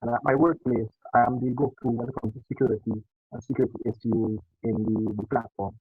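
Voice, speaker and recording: A man's voice: mid-range voice, level tone, a little fast, husky, no echo, faint music behind. A man asking a question on a video call, giving a long, detailed self-introduction with hesitant fillers. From Caribbean. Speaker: audience member asking a question. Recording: muffled tinny call audio, very dry.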